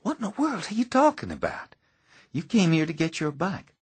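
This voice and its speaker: A man voicing an anxious, earnest young boy who asks uneasy questions in a raised, softer voice. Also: fairly high pitch, wildly swooping pitch, moderate pace, breathy edge, pitched above the performer's own voice, full character voice. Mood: worried.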